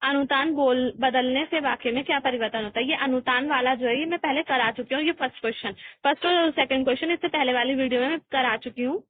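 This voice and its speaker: High-voiced woman teaching in a tinny recording. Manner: explains step by step, often restarting phrases and adding "अ"; reads textbook passages aloud slowly. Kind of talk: exam-prep lesson. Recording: tinny phone-like recording with faint hiss.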